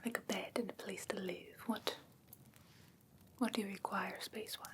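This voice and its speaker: A woman voicing an ancient, haughty yet curious fae in a soft breathy whisper for an ASMR fantasy roleplay, halting and matter-of-fact. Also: medium pitch, fairly even intonation, lightly acted. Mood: appraising, haughty. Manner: unhurried, matter-of-fact, faintly condescending, halting. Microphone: close ASMR microphone. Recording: close-miked with clear background ambient noise.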